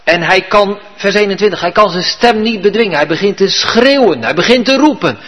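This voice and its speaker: Husky-voiced Dutch-speaking preacher in a reverberant church. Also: male voice, high voice, lively intonation, fairly quick, a bit bright. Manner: earnest, vivid storytelling preaching. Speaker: pastor. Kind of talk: sermon. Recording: dull recording with long hall reverb.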